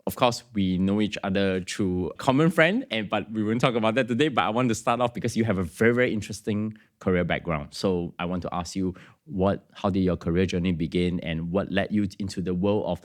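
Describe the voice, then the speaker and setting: A man with a deep voice hosts a business podcast. He introduces his guest and asks questions at a steady, measured pace. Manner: measured, with brief acknowledgements. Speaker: podcast host. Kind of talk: podcast interviewing.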